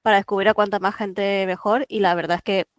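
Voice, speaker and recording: Smooth-voiced Catalan speaker explaining calmly. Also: female voice, mid-range voice, brisk, no echo, clean studio sound. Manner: thoughtful, explanatory, many fillers. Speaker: guest translator. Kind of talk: relaxed podcast interview.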